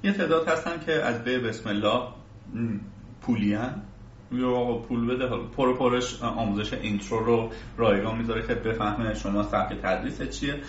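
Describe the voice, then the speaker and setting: A man interviewing someone in a conversational style. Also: on the low side. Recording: echoey distant mic, muffled, faint hiss.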